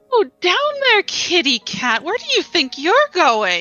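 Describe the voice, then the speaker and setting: This put-on character voice has very wide pitch swings. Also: woman, extremely high pitch for a woman, fairly slow pace. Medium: actual play.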